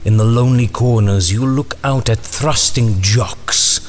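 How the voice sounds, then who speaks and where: An actor playing a menacing, eloquent ringmaster in an audio drama, speaking in deliberate, theatrical, archaic phrases. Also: male voice, medium pitch, faint music behind, natural voice. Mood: predatory, insinuating.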